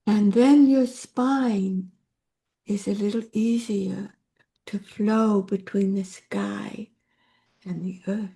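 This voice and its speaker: A woman on a video call calmly leading a group through a gentle sipping exercise. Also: medium pitch, vocal fry. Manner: calm, soothing, slow instructions. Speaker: workshop facilitator.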